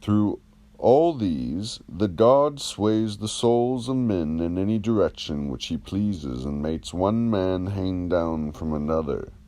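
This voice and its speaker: A man reading the part of a probing, measured philosopher in an audiobook of a classical dialogue, teaching through rhetorical questions. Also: deep voice, expressive, warm tone. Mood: didactic.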